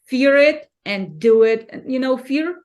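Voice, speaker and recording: A woman from Poland with a Polish accent, a podcast guest talking in an earnest, encouraging way with halting non-native phrasing. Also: sits high, darkish tone. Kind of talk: conversational interview.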